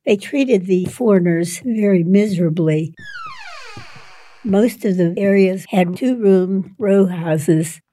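An older woman telling the story of her childhood in an oral history interview, slow and plain, with soft laughs. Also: mid-range voice.

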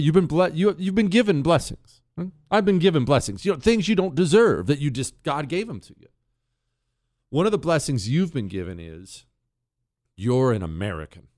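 A man hosts a talk radio show from a studio mic. His pitch swings widely as he rants in mock outrage. He teases a co-host in a blustering, playful way. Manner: animated, ranting, mock-outraged, teasing a co-host. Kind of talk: opinionated talk radio monologue.

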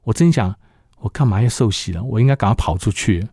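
A man's voice: on the low side, animated, fast, mellow, slightly rough, no room sound, studio quality. Middle-aged man telling his faith story. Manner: storytelling that acts out the dialogue of others. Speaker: church member giving testimony. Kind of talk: personal faith testimony.

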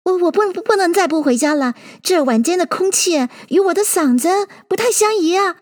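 A woman's voice: extremely high pitch, animated, a little fast, voice pushed up. A woman voicing a fussy, fretful magpie in a storybook reading, stammering. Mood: flustered.

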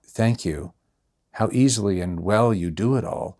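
A man voicing a gravely ill, helpless gentleman who speaks weakly and pleadingly in a storybook reading. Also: lowish voice, measured pace. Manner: weak, pleading.

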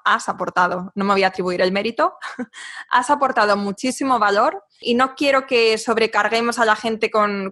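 A woman's voice: on the high side, a bit bright. A woman hosting a podcast interview, effusive and full of compliments for her guest. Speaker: host.

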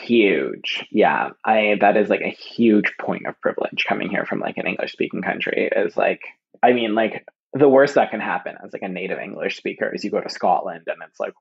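A young Canadian man, a podcast guest, chatting casually with lots of fillers and lively quoted asides. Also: fairly low pitch, normal speed, creaky, slightly rough, highs cut off. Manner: chatty, full of fillers, animated quoting. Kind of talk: casual chat.

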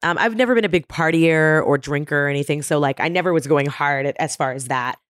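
A woman's voice: sits low, fast, dry recording, clean studio sound. A woman guest on a podcast, speaking in an earnest, reflective way about her own experiences. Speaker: guest, performer. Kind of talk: casual conversational interview.

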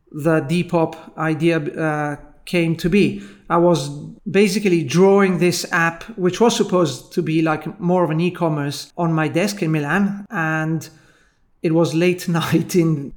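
A middle-aged man with an Italian accent talks through his story as an interview guest. His voice sits a little high, and his delivery is measured and reflective. He pauses often and uses filler sounds along the way. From Italy.

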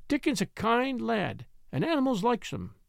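A chatty, outspoken young housemaid with a broad way of talking, done by a man reading a storybook aloud, pitched up high with a lively, bouncing lilt. She rattles on in a plain, homely manner, and the sound is close and dry. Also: normal speed, vocal fry, no echo, exaggerated voice. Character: chatty good-tempered young Yorkshire housemaid. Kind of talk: audiobook character voice.

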